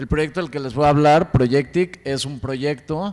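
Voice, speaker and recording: A man's voice, fairly high in pitch. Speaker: conference speaker. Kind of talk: lecture. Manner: halting.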